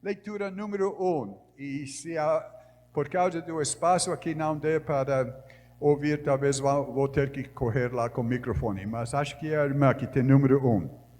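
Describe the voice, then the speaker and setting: A missionary whose first language is English preaches in Portuguese with a Brazilian Northeastern accent, his foreignness still audible, in a mid-range voice. His sermon is slow and measured, growing louder when he reads scripture, and the large church hall adds heavy reverb.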